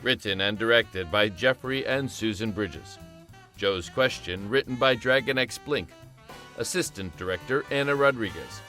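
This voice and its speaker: A man's voice: fairly low pitch, moderate pace, pushed and bright. A man reading scripted audio drama credits as an announcer. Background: faint music.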